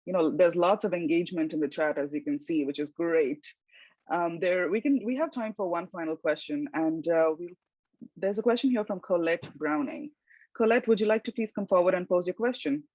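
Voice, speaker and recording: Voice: medium pitch, brisk, darkish tone, no echo. A host moderating an online panel, speaking politely and formally with some fillers. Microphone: video call. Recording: dry, dull video call audio.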